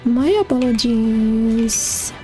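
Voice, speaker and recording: A woman's voice: a little high, animated, extremely slow, dark tone, soft background music. A young woman streamer chatting casually as she plays, thinking aloud about missions and thanking subscribers. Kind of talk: casual gameplay commentary.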